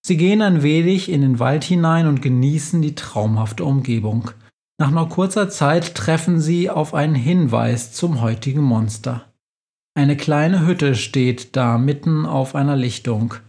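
A man hosting and narrating a children's story in a calm, measured reading voice. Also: on the high side. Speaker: storyteller and podcast host.

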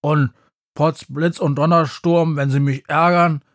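A man voicing a huge, sulky shadow creature who grumbles in a slow drawl. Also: fairly high pitch, fairly even intonation, no room sound, studio quality, lightly acted.

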